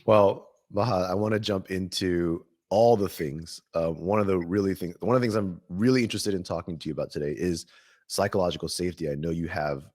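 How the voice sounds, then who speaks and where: A man's voice: deep voice, fairly quick, a little mellow, dry recording, clean studio sound. A man hosting a podcast, asking eager, curious, rambling questions in a casual interview. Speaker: podcast host.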